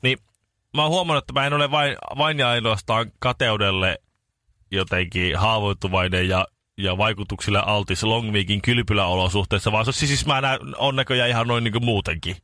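A male radio morning show host telling a rambling, animated anecdote in casual chat, with many restarts. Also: fairly low pitch, no echo, clean studio sound.

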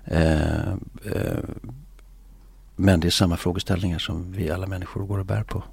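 A middle-aged man in a reflective interview, musing philosophically and often pausing with filler sounds. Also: low-pitched, fairly even intonation, gravelly, darkish tone, breathy edge, no echo. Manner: hesitant, many filler sounds. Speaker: interview guest. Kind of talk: reflective conversation.

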